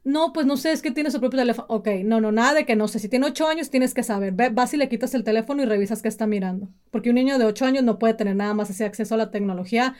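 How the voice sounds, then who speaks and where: A woman's voice: fairly high pitch, racing, few pauses, darkish tone. A woman, co-hosting a casual chat about parenting and acting out quoted parents in a mocking voice. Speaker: podcast co-host.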